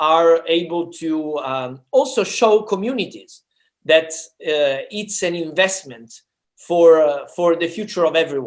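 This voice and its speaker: This man's high-pitched voice carries lively intonation as he talks at a very slow pace. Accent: Italian. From Italy. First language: Italian. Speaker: politician. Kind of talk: panel discussion. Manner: halting.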